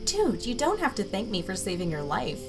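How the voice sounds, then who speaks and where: A woman playing an excitable, caring young female psychic friend in an audio drama. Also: medium pitch, normal speed, music in the background. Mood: relieved, upbeat.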